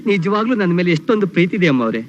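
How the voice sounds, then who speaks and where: Cheeky servant, very high quick voice, dull old film sound. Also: male voice, very animated, a little hiss or hum. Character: cheeky male household servant.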